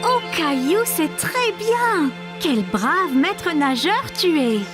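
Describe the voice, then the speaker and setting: A woman playing a caring, encouraging member of a little boy's family in a French children's cartoon, gentle and attentive. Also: high voice, sing-song, slow pace, over loud music, exaggerated voice. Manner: gentle, attentive, careful advice.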